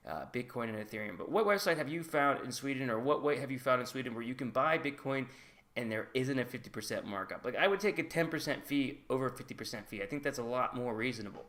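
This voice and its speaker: An American man whose first language is English talks casually to camera for his channel, sharing his own experience candidly. His mid-range voice is animated, quick, and a bit bright, and he's chatty, hedging with "like" and "I guess."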